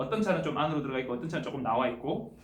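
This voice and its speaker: Very wide pitch swings from a man, amid audible room echo and noticeable background noise. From Gyeongsang region, South Korea. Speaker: insurance agent. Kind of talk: casual explainer talk. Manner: conversational, with fillers.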